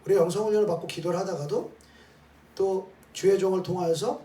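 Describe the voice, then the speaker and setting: Pastor preaching in an echoey sanctuary. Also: male voice, high-pitched, steady tone, fast, mellow. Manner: rhetorical questions with repeated "eh?" tags; leads the congregation in reading scripture aloud. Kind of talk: sermon. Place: church sanctuary. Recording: roomy hall, voice from some distance, faint ambience.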